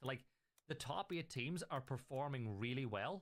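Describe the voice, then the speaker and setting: A man with an Irish accent, medium pitch, ordinary pitch variation and a moderate pace. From Ireland. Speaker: esports caster. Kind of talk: live commentary.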